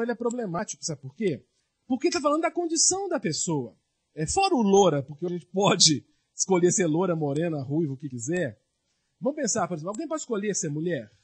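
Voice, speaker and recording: A man's voice: high-pitched, slightly rough. A man preaching a sermon as a pastor, asking his congregation rhetorical questions.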